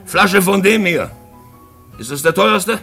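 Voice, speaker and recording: An actor in a German radio play playing a shady, boastful, sentimental black-market profiteer, expressive and swinging between musing and outbursts. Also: male voice, high-pitched, slow pace, faint music behind, full character voice. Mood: tipsy, swaggering. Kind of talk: German radio play acting with first-person narration.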